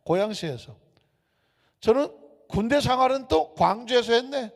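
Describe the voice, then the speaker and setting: A male pastor preaching a sermon, animated and joking, slipping into regional dialects now and then. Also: extremely high pitch, moderate pace, vocal fry. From Gyeonggi Province, raised in Seoul. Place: church sanctuary. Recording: echoey church hall.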